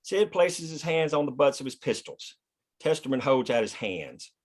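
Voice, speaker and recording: A man's voice: medium pitch, sing-song, moderate pace. A man narrating the scene directions of a screenplay at a table read. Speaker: narrator reading stage directions.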